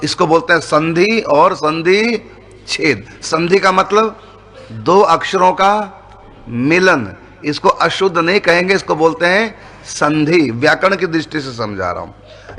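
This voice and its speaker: A man speaking slowly and patiently in a spiritual discourse. He teaches step by step, asking his listeners questions and then answering them himself. His voice sits a little high for a man. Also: a bit bright. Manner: slow, patient explaining with rhetorical questions. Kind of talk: devotional discourse explaining grammar.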